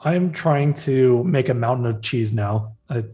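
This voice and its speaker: A man co-hosts a live stream in easy, casual chat, laughing often and reading viewer comments aloud. His voice sits at a middle pitch. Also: a little slow, dark tone, soft background music. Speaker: livestream co-host.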